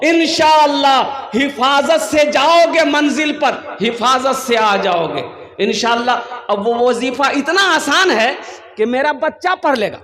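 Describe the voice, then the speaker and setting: High-pitched preacher in an echoing hall. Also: male voice, fairly bright tone. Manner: calls out to the crowd, drawn-out repetitions. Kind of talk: sermon at a mosque gathering. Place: mosque gathering hall. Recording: echoey hall with long reverb.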